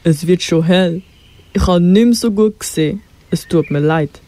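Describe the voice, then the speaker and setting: A kind owl in a student radio play, voiced by a young student, calm and friendly. The voice is high and dark in tone. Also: male voice, normal speed, close to an everyday voice.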